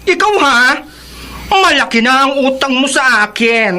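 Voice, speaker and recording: A performer playing a flamboyant, vain, sharp-tongued gay moneylender in a Filipino radio melodrama, campy and slangy with a Filipino accent. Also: sits high, animated, measured pace. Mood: indignant. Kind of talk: melodramatic radio drama acting. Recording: noisy radio drama ambience.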